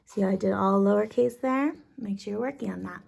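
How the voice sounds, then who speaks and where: A woman's voice: medium pitch, brisk, creaky, darkish tone. A woman kindergarten teacher explaining a lesson casually, step by step, in an informal, encouraging way.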